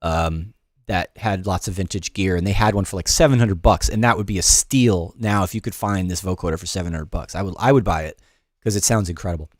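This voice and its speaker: Speaking fairly quickly in a low voice with no room sound, a middle-aged man chats with livestream viewers during an off-the-cuff music production lesson. He broadcasts from his home studio in New York, full of fillers and restarts.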